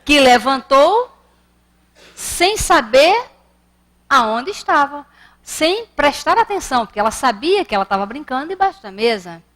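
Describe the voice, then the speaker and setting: A woman's voice: high-pitched, very animated, measured pace, a bit bright. Brazilian woman giving a spiritist lecture. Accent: Rio de Janeiro Portuguese. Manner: conversational, acts out children and staff in her stories.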